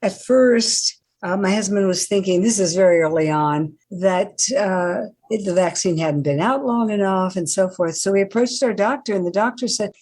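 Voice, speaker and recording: An older woman tells stories in a chatty, lively way, laughing often as she talks. She speaks as a guest on a radio interview, at an ordinary pitch for a woman. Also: normal speed, hardly any pauses. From New York. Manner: chatty, animated storyteller who laughs often. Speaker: guest actor.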